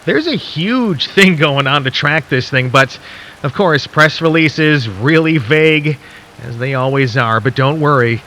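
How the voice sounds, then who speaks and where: A man playing a folksy late-night radio DJ in a radio drama, speaking intimately and conversationally to listeners with theatrical pauses and a skeptical, intrigued air. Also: fairly high pitch, lively intonation, pushed and bright. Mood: wry, skeptical. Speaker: radio host.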